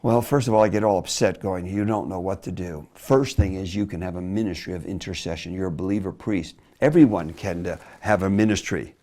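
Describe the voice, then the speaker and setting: A man giving a teaching lecture on preaching delivery, animated and demonstrative, dropping from loud emphasis to hushed asides. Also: sits low, fairly quick, few pauses. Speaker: Bible teacher.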